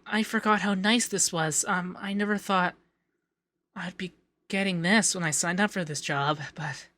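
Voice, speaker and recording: Man playing a bright-voiced, shy, flirty femboy. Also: sits high, heavily acted. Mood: bashful, tender. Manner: halting, stammering, coy. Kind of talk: intimate ASMR roleplay.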